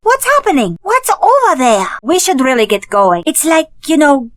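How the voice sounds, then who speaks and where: A woman's voice: high-pitched, big pitch swings, moderate pace, no echo. A woman voicing a brash, flirty, trigger-happy female sidekick in a video game, with a cocky, slangy manner. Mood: curious, restless.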